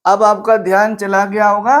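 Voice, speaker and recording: A man's voice: sits high, flat delivery, moderate pace, a bit bright. A man teaching English poetry, explaining verse meter and rhyme scheme. He switches between Hindi and English and repeats key terms for emphasis.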